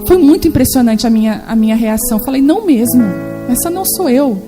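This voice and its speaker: A Brazilian woman in her forties preaching a sermon with lively, animated storytelling in which she acts out the voices she quotes. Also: fairly high pitch, fast, over music, low-quality recording. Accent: Brazilian Portuguese.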